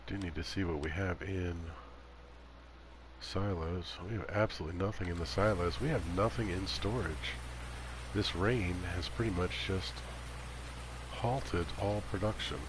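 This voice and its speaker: A man's voice: low voice, a little slow. A man with a congested, stuffy-nosed voice from a cold, doing casual livestream commentary on a game as its host. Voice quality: stuffy nose. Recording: clear background noise of falling rain. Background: game rain sound.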